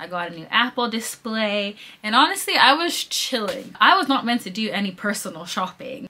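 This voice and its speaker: A woman speaks at a moderate pace. Lively intonation colors her delivery. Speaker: vlogger. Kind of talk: casual vlog chat. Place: home room.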